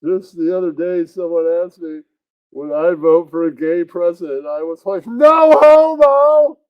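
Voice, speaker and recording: A man voicing an awkward, eager puppet comedian in a parody stand-up act, with stilted setups and hammy loud punchlines. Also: high-pitched, lively intonation, measured pace, dry recording, lo-fi sound.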